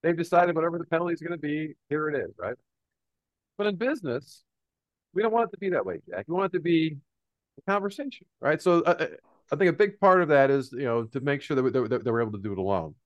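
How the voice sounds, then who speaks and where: A man hosting a business chat show, talking a little high and telling stories in loose, meandering sentences. His voice is recorded close and dry, with no room sound. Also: animated, quick pace, no echo, muffled recording. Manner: rambling, storytelling, often repeats a cohost's name. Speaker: business podcast co-host. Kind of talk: conversational business advice.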